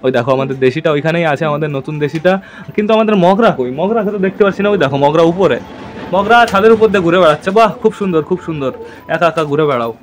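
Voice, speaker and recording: A high-pitched man with a lilt talks quickly and chattily, addressing his viewers as he films his pigeons on a rooftop. He coaxes the birds now and then. Faint cooing sits under his voice. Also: animated, slight background noise. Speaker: pet pigeon vlogger. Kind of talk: casual vlog commentary to viewers.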